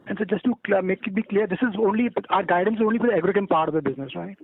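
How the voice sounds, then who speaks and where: A man, an analyst asking a question on a conference call over the phone, polite and halting, saying "sir" often. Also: high-pitched, slight background noise. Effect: speaking over the phone. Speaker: analyst calling into an earnings call. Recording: tinny phone line.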